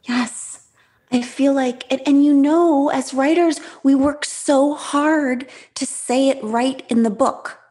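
A woman author with a high-pitched voice, talking fast and openly as a guest in an interview. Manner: fast, animated, self-revealing, many restarts. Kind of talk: casual interview talk.

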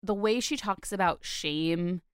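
A young woman from Connecticut, co-hosting a podcast in a chatty, animated way with lots of filler words. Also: medium pitch, measured pace, clear, resonant tone, no echo, studio quality. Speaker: podcast co-host. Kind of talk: casual chat.

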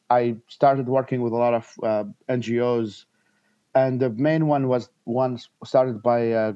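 A man from Iraq, in his thirties, answering interview questions in halting speech with frequent restarts and fillers. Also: medium pitch, dark tone, dry recording, highs cut off. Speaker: guest, nonprofit founder.

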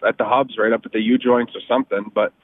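Flat-voiced man calling in by phone. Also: mid-range voice, dry recording. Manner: halting, many ums and uhs. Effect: heard over a phone line. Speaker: caller to a car advice show. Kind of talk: calling in to radio talk. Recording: tinny phone-line call.

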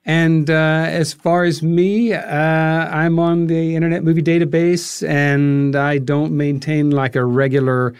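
A man's voice: on the high side, flat delivery, measured pace, few pauses, smooth, no room sound, clean studio sound. A man speaking as an interview guest, giving conversational answers about his work.

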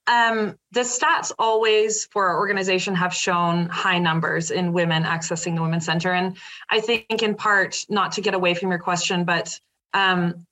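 A woman in her thirties from the Netherlands, a guest speaking in a relaxed interview, thoughtful and halting with many fillers and restarts. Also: lowish voice. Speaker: guest from a women's center. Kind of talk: casual interview talk.

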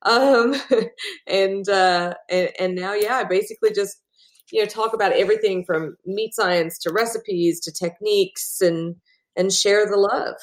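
A woman's voice: medium pitch, measured pace. A woman with an Australian accent blended with Texan, talking as a podcast guest in an enthusiastic, chatty way with frequent fillers. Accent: Australian mixed with Texan. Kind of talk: casual interview chat.

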